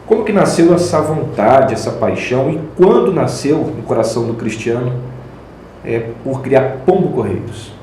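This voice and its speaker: A man hosts a podcast, asking friendly and curious questions in a casual way. His voice is dark and mellow, and it rings out in a very echoey room with a faint background hiss. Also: mid-range voice, expressive, moderate pace. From Campo Grande, Brazil. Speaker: podcast host. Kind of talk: casual interview.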